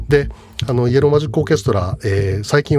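Noticeable background noise behind a man's fairly quick delivery, his pitch varying in an ordinary way. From Tokyo, Japan. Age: 60s. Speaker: music producer and agent. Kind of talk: solo podcast monologue. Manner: frequent fillers (えー).

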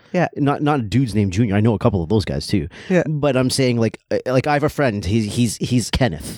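Speaking in a Canadian accent at a fairly quick pace, a man with medium pitch makes very wide pitch swings while keeping his loudness very even. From Canada. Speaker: massage therapist and podcast host. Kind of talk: casual chat. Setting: video call. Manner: animated.

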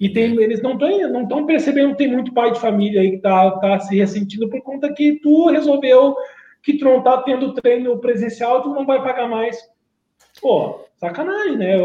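A man talks at a moderate pace in an extremely high pitch. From Rio Grande do Sul, Brazil. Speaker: running coach, former elite athlete. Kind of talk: casual chat.

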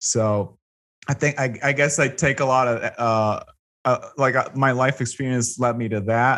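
The recording is very clean, with a silent background. A man speaks at a fairly slow pace with medium pitch and fairly even intonation. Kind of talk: casual conversational interview.

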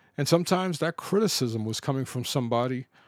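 A man talks at a moderate pace. The sound is dry and close with no echo, on a very clean recording with a silent background. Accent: New York. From US Northeast (Bronx, New York City). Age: 50s. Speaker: gaming podcaster. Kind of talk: solo podcast monologue. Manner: animated.

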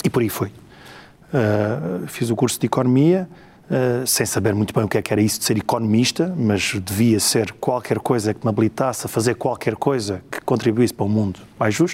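A normal speaking voice at a moderate pace, with lively intonation and hardly any pauses. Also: man, medium pitch for a man. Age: 40s. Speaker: public agency president. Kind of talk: interview.

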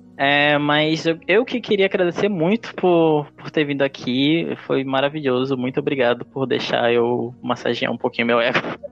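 Against noticeable background noise, a man with a fairly high pitch speaks at a moderate pace with hardly any pauses and ordinary pitch variation. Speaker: author and podcaster. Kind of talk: casual interview.

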